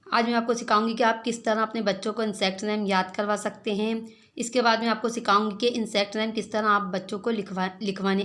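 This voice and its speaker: Woman teacher, Urdu-speaking South Asian accent, unhurried and methodical, often asks whether things are clear. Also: medium pitch, a bit bright. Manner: slow and patient, spells words letter by letter; checks in with listeners, asking "clear?". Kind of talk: children's vocabulary lesson.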